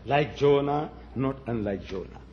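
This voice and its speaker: A man's voice: mid-range voice, lively intonation, measured pace, muffled recording, slight background noise. A man whose first language is Gujarati, giving a rhetorical public lecture and pressing the audience with repeated questions. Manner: emphatic, repeats questions to the crowd.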